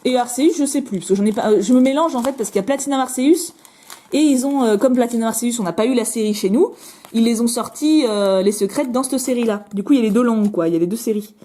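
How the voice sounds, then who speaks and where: A woman with a French accent chatting casually while opening trading card packs, bubbly and self-mocking with quick asides. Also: a little high, dark tone. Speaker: card-opening video host.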